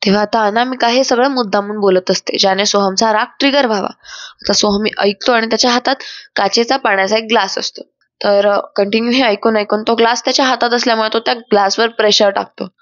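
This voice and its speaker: A woman's voice: fairly high pitch, quick pace, no echo. A woman narrating a dramatic serial episode recap in an emphatic voice-over. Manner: emphatic storytelling. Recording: dull, dry voice-over.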